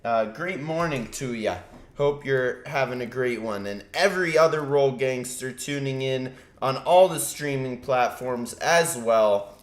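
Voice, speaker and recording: A man's voice: mid-range voice, a little slow. Chill guy hosting a morning stream, cusses a lot, roomy echo. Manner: laid-back, swears casually. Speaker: host. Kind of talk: casual morning show chat. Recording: echoey room.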